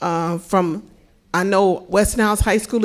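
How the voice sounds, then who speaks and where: At a moderate pace and with ordinary pitch variation, a woman speaks in a plain, everyday voice. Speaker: community development worker, public commenter. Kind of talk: public comment at board meeting. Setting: public board meeting.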